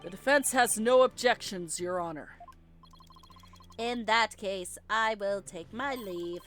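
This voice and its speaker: A woman's voice: medium pitch, slow, fairly bright tone. A woman playing through a video game, reading the characters' dialogue aloud in a theatrical, playful way. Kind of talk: gaming playthrough with dramatic read-aloud of characters. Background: video game music.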